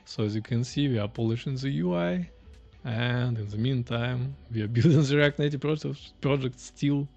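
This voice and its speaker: Faint music plays behind a man live-coding on stream from a small room. He's a Russian indie developer who thinks aloud, chats casually and reads out chat questions, speaking at normal speed in a mid-range voice with vocal fry and a darkish tone.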